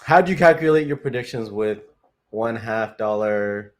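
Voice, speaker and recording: A young man from Canada hosts a casual livestream, his voice sitting low and deep. He talks in an upbeat, rambling way, circling back on his phrases and padding them with fillers as he reads out viewer comments. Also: lively intonation, normal speed. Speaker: crypto livestream host.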